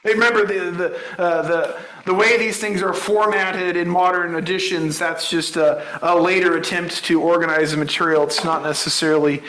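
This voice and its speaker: A man's voice: sits high, flat delivery, normal speed, hardly any pauses, fairly bright tone, echoey room, slight background noise, rough recording. A man preaching a sermon, explaining a Bible passage in a conversational teaching manner and checking in with the congregation. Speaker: pastor.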